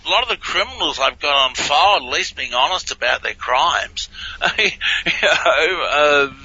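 Man, radio interview guest, very bright tone, husky, chatty, muffled recording. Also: a little high, animated, moderate pace. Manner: chatty, chuckles often, exclaims in surprise. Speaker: guest, researcher of reversed speech. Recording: muffled lo-fi audio.

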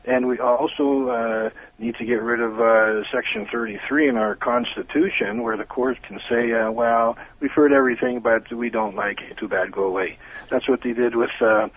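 A man with a Toronto accent calling in to a radio show, talking earnestly with many "uh"s and pauses. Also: mid-range voice, fairly even intonation, husky, no echo. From Toronto, Canada. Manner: earnest, halting, many fillers. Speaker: caller. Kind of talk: call-in phone chat. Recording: tinny phone line.

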